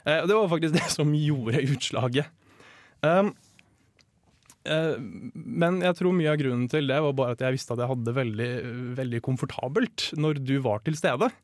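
A man's voice: on the high side, no room sound. A young man co-hosting a comic radio chat show, handing out playful mock-serious advice, then speaking earnestly and candidly to his co-host. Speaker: podcast co-host.

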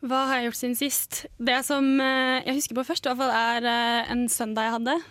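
A woman's voice: a little high, level tone, fairly bright tone. A young woman, co-hosting a radio show and telling a story in a casual chat. She laughs often and uses many fillers. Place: radio studio.

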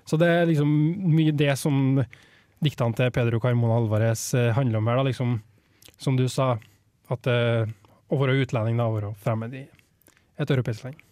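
A man's voice: mid-range voice, steady tone, a little mellow, dry recording, studio quality. A man reviewing a book and reading a poem aloud on a radio show, talking hesitantly with many fillers.

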